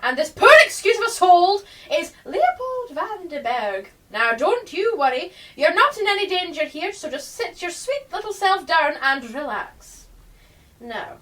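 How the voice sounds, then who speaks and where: A woman playing a bossy, sharp-tongued eccentric in a radio play, switching between scolding and condescending endearments. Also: very high-pitched, sing-song, measured pace, distant mic, exaggerated voice. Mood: condescending, sweet.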